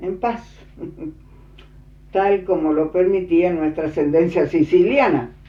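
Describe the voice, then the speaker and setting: Using ordinary pitch variation, a woman with an Argentine accent speaks at a fairly low pitch and a very slow pace, with long, frequent pauses. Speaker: storyteller. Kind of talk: storytelling, personal memoir.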